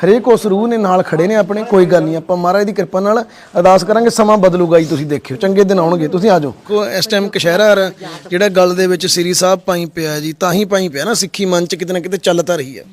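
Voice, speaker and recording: High-voiced man gently coaxing. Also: quick pace. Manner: gentle, coaxing, repeats soothing phrases. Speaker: social service volunteer. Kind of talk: on-location coaxing talk.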